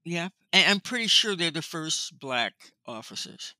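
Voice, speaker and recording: An older woman in her sixties recounts her career with lively, storytelling energy, often laughing and acting out what others said. Her voice is strikingly bright and forceful. The sound is dry, with no room echo. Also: fairly low pitch, a little slow. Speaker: lighting designer and professor, guest. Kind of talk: interview, telling stories from her career.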